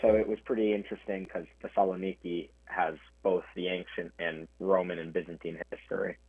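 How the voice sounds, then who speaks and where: A man's voice: deep voice, steady tone, brisk, no echo. A young man answering interview questions over a phone line, earnest and plain-spoken. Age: young adult. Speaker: guest.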